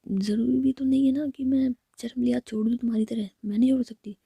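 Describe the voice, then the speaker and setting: A woman's voice: on the high side, steady tone, quick pace, vocal fry, breathy edge, no room sound, clean studio sound, heavily acted. Woman whispering as a shy young woman. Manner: whispered, soft, bashful.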